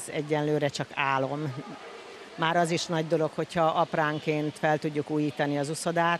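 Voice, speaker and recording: Her voice is very deep and low for a woman. She speaks at a moderate pace with monotone, flat intonation. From Budapest, Hungary. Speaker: water polo coach. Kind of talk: interview. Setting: swimming pool.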